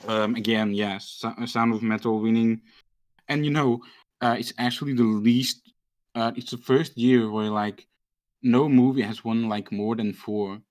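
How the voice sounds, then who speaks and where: A man's voice: medium pitch, fairly even intonation, measured pace. A man from Belgium, a guest on a live stream, talking about film awards in a hesitant way with many fillers. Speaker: guest movie commentator. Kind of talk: casual film talk on a stream.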